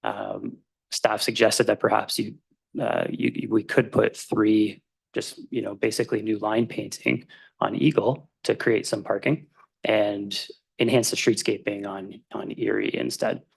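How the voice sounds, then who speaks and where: A man speaks as a planning consultant before a council, his voice low, deeply gravelly and husky. He answers formally and politely through the chair, pausing with hesitant fillers as he explains. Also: low-quality recording. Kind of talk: answering questions at a council meeting.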